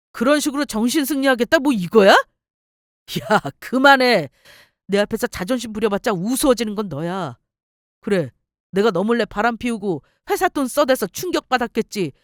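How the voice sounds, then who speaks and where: A woman's voice: a little high, lively intonation, a little fast, no room sound, clean studio sound, natural voice. A woman voicing an arrogant, cheating husband who runs a company, talking down with contempt in a story radio drama. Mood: sneering. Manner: sneering, boastful, contemptuous. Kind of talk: story radio role-play.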